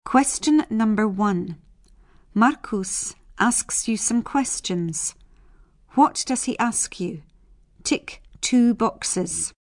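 A woman narrating scripted listening exam instructions in a measured, neutral manner. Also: a little high, expressive, no room sound, studio quality.

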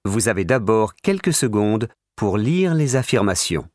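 A man reading listening-exam instructions in a formal, clear manner. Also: lowish voice, very animated, darkish tone, dry recording, clean studio sound. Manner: formal, slow, clear announcing. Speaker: exam narrator.

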